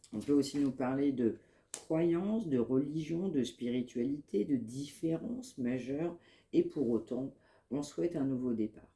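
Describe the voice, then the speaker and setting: Dark-voiced woman with a head cold. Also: very deep voice. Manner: calm, repetitive, measured phrasing. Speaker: medium giving a card reading. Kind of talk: spoken psychic reading to viewers.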